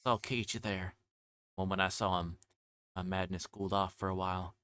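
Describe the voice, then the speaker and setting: A man's voice: sits low, fairly even intonation, a little fast, a bit bright, clean tone. A man streaming a game, reading its narration aloud in a dramatic way, with game music behind him.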